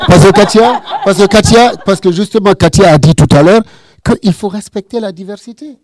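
A man's voice: high-pitched, a little mellow, dry recording. A man arguing his side in a formal debate, impassioned and emphatic, often repeating himself for force. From French-speaking, living in Toronto.

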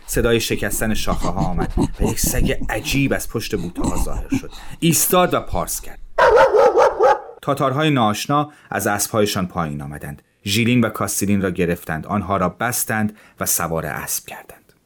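A man narrating a story in a steady, measured way. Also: fairly low pitch, very noisy. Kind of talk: audiobook narration.

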